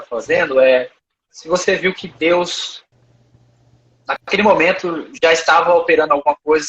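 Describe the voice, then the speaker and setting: Male interviewer, fairly high voice. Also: a bit bright, rough recording. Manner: searching for words, polite, detail-seeking. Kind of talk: interview questions.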